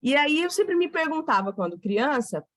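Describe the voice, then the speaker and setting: Halting Brazilian woman lecturing. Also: sits high, sing-song, fairly bright tone, no echo, studio quality. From Cuiabá, Brazil. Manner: hesitant, restarts phrases. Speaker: guest lecturer. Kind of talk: academic talk to an audience.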